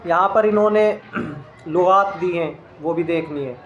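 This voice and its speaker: A man's voice: on the high side, a little slow, a bit bright, dull audio, slight background noise. A man teaching an Arabic grammar lesson in speech, explaining step by step and quizzing his listeners with questions.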